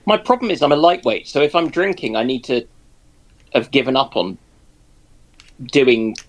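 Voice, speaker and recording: Male co-host, gravelly fry in the voice, hesitant measured talk. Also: mid-range voice, sing-song. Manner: hesitant, measured, lots of ums. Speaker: co-host on live stream. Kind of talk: casual chat.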